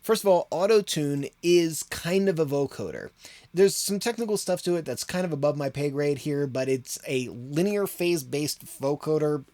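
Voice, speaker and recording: A man's voice: fairly high pitch, a little mellow, no echo. A man hosting an audio production tutorial in an informal, conversational way. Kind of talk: casual spoken tutorial.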